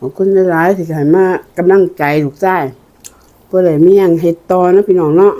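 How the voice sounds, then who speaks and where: Older female mukbang eating host, Isan Thai accent, relaxed dark timbre, folksy and conversational. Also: fairly low pitch, a little fast. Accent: Isan, northeastern Thai. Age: older, a grandmother. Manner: folksy, repeatedly addressing viewers as kin. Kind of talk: mukbang eating, casual chat to viewers while eating.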